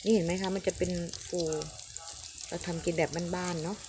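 Older woman, home cooking vlogger, lowish voice, chatty, clear pan sizzle underneath. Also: steady tone, a little fast. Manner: chatty, addresses viewers, coaxes a child between steps. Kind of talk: casual cooking demonstration. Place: home kitchen. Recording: noisy frying sizzle behind. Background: oil sizzling in a pan.

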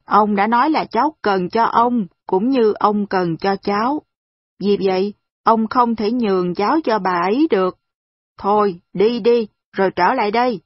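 A woman reading aloud voices a stern, gruff old man who gives blunt commands, in a slightly husky voice on a dull, dry recording. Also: mid-range voice, normal speed, no echo, natural voice.

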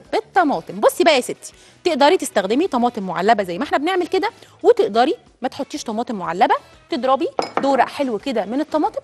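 Brief: Egyptian woman cooking host, rapid and high-pitched, chatty toward the viewer. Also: darkish tone, slightly rough. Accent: Egyptian Arabic. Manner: chatty, addresses viewers directly. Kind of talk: cooking demonstration.

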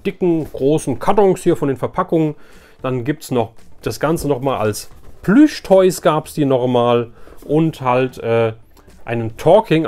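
A man's voice: mid-range voice, a little mellow. A man presenting as a toy collector in a casual, enthusiastic, rambling chat to viewers. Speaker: toy collector, video host.

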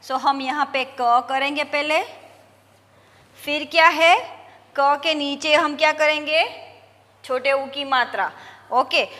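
A woman teacher going slowly and patiently through a lesson for young pupils, mixing English words into her talk. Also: high voice, bright, forceful tone, long reverb tail.

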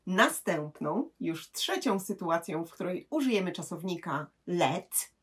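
Husky woman teaching English grammar. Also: lowish voice, sing-song. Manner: clear, patient explaining with slow English examples.

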